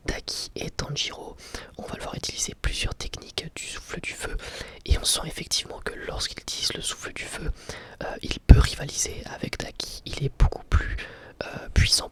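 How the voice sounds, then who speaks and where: An ASMR creator whispering a casual review, speaking haltingly in short phrases. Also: medium pitch, little pitch movement, a bit bright. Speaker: ASMR YouTuber reviewing anime.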